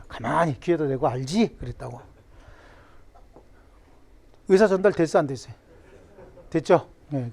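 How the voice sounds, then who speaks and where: A man's voice: high voice, a little mellow. A man lecturing on civil law to a classroom, joking and firing questions at the students.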